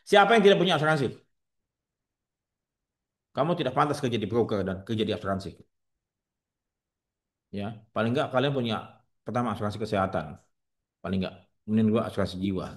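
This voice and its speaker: A man's voice: on the low side, lively intonation, fast talker, pauses often. A man giving a classroom lecture to insurance staff, posing rhetorical questions and answering them himself, with frank, joking asides. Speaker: insurance trainer.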